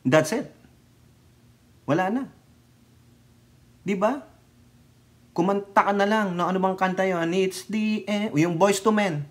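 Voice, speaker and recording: On his vlog, a Filipino man offers casual political commentary, addressing his viewers directly in a lively, mocking tone. His voice sits a little high.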